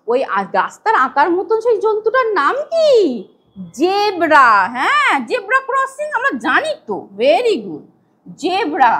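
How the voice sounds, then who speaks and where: A high-voiced woman teaching a demo class for small children. Her voice swoops up and down in a singsong, coaxing way. She spells English words out letter by letter. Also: fairly bright tone. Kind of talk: demo lesson to young children.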